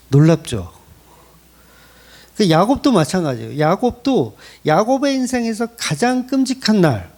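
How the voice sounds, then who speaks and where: Man, pastor, church sermon, high voice, animated pitch, conversational, rising emphasis. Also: gravelly. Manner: conversational, asks the congregation questions.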